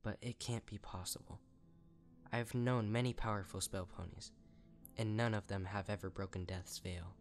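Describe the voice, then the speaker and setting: A man's voice: fairly low pitch, fairly even intonation, normal speed, gravelly. Man as a distraught regal pony princess. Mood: grave. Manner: urgent, distraught questioning. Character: regal pony princess, shocked, grieving ruler.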